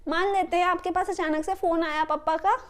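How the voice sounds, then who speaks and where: Indian woman teacher, high voice, explains phrases slow and patient. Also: fairly even intonation. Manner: explains slowly, repeats English phrases clearly. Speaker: English teacher. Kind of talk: classroom-style spoken lesson.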